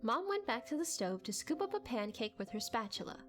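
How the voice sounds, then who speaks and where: A woman narrating a story as an expressive dramatic audiobook reading. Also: fairly high pitch, fairly quick, soft background music.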